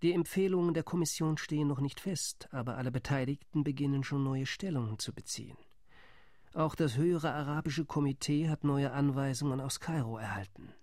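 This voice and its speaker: An actor playing a wary male Arab delegate who reports gravely in a radio drama monologue. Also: mid-range voice, fairly quick, a little mellow, dry recording, studio quality, lightly acted. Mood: reporting. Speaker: Arab Higher Committee delegate.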